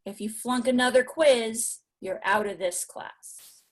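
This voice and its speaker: Woman playing a high-pitched, stern math teacher. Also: takes it slowly. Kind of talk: virtual table read acting.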